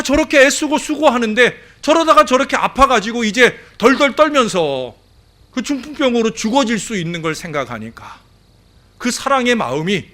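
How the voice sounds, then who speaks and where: A man preaching an earnest sermon as pastor in a church, moving between hushed and emphatic. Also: high-pitched. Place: church sanctuary.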